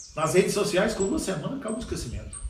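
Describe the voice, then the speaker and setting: There is audible room echo as a man speaks. Noticeable background noise is also present. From rural Espírito Santo, Brazil. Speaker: orchid grower. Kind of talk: casual chat. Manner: loud.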